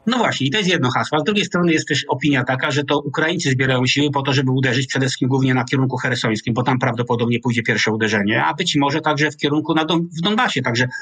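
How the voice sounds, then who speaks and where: A man in his sixties with a Polish accent, a military analyst explaining at a measured pace over a video call from a small home office. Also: a little high, a bit bright, slightly rough, no echo. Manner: measured, explanatory, restarts mid-word. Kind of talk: analytical interview commentary. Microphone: video call webcam.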